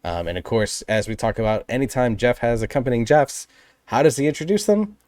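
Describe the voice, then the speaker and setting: A man's voice: medium pitch, lively intonation, brisk, a little mellow, dry recording, studio quality. A man hosting a music reaction video, giving an earnest, appreciative, detail-minded spoken analysis in a casual way.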